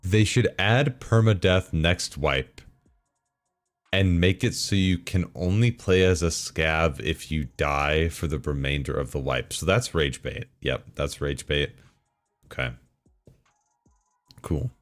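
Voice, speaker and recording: A man's voice: rumbling low, fairly even intonation, measured pace, faint music behind. A male streamer in casual chat, reading forum posts aloud between game loads with sarcastic, chuckling asides.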